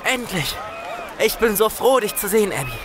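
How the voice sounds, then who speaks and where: An actor playing a loyal, protective, quick-witted youth in an audio drama. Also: male voice, sits high, expressive, a crowd in the background, background noise. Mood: warm relief.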